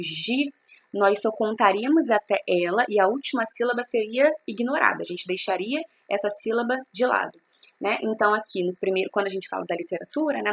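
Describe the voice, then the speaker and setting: Woman teacher, a bit breathy, walks through a lesson by posing and answering her own questions. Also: mid-range voice. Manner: explains step by step, asks and answers own questions. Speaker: literature teacher. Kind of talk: recorded class explanation.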